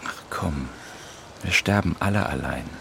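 A man playing a laconic, unsentimental stranger in a naturalistic radio drama, blunt and deadpan with a gravelly voice. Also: very deep voice, a little slow, noisy background, heavily acted. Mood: dry, blunt. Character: laconic, unsentimental, enigmatic male stranger, fatalistic realist.

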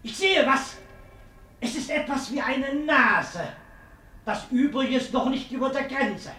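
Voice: high-pitched, a little slow, pushed and bright. An actor playing a dutiful royal servant on lookout, calling out reports in a theatrical radio play. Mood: excited announcing. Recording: echoey old radio recording, background noise.

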